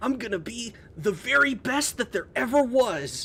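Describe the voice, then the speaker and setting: This is a put-on character voice with a fairly high pitch. It moves at a moderate pace. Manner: determined.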